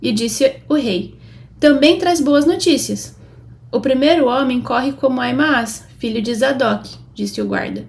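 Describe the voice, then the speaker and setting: A Brazilian woman reads scripture aloud at a measured pace. Her voice sits a little high with a gravelly, creaky edge. She lifts her tone whenever she voices the quoted lines. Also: sing-song. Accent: Brazilian Portuguese. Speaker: Bible reader.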